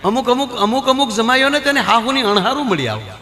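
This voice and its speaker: A man's voice: very high-pitched, very animated, quick pace, pushed and bright, long reverb tail. A man from Gujarat, telling folk comedy stories on a live stage and acting out the voices of the people in his jokes. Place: live stage show before an audience.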